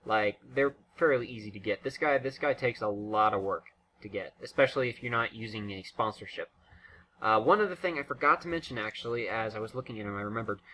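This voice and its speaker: A man's voice: medium pitch, sharp tone, poor audio. A man giving casual, unscripted game commentary in a rambling, self-interrupting way. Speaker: gaming video creator.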